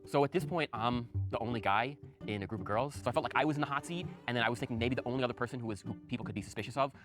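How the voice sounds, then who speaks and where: A man's voice: mid-range voice, very fast, music in the background. A young man talking casually in a group as a game show contestant.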